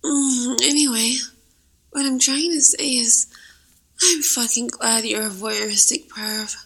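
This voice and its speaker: A woman's voice: fairly high pitch, fairly even intonation, measured pace, creaky, a bit bright, breathy edge, exaggerated voice. A woman playing a blunt, cheeky young woman who sounds breathless and sleepy. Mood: drowsy. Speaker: lover in an audio drama. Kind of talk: adult audio roleplay.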